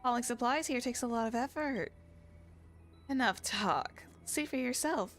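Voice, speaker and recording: A woman's voice: a little high, a little slow, a bit bright. A woman voicing a sly, teasing young shady merchant in a game, with theatrical salesy delivery. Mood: mock wounded. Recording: music behind the voice.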